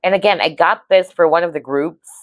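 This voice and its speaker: Woman, tarot reader, low voice, dry close sound, chatty and reassuring. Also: fairly quick, dry recording. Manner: chatty, reassuring, frequent "okay?" check-ins. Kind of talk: casual tarot reading monologue.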